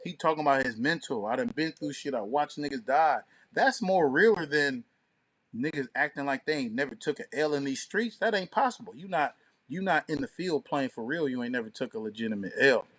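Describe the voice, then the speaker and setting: A man's voice: mid-range voice, expressive, brisk, a bit bright. A man co-hosting a casual podcast, talking in an opinionated, emphatic, slangy and profane way. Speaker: podcast co-host and DJ.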